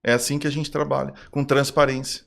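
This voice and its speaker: A man's voice: medium pitch, level tone, fairly quick, creaky. A middle-aged man, a swimming school manager, telling a heartfelt story in a casual interview and repeating phrases for emphasis.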